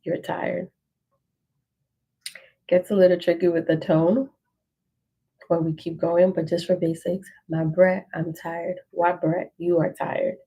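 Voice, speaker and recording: A woman teaching a language lesson, reading through an ebook page by page and slowly repeating phrases to encourage learners. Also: on the low side, level tone, breathy edge, muffled recording.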